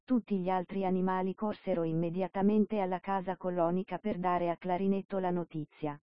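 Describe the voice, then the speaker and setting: Brief: female audiobook narrator, lowish voice, steady measured reading, dull lo-fi sound. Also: no room sound. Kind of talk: scripted narration. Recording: dull dry lo-fi recording.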